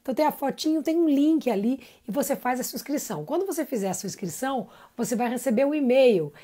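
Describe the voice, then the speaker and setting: A woman's voice: sits high, expressive, fast, warm tone. A woman giving a live-streamed singing lesson, chatty and encouraging, greeting viewers by name between explanations. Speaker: singing teacher.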